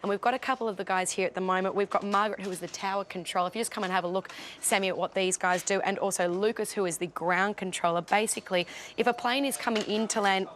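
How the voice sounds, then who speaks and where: A woman's voice: mid-range voice, steady tone, fast, fairly bright tone, slight background noise. A young Australian woman giving a live weather cross from an airport control tower, bubbly and chatty. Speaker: weather presenter.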